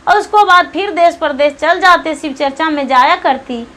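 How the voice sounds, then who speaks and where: A woman's voice: sits high, normal speed, pushed and bright. A woman voicing a stubborn young husband who complains defiantly in a devotional tale. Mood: complaining.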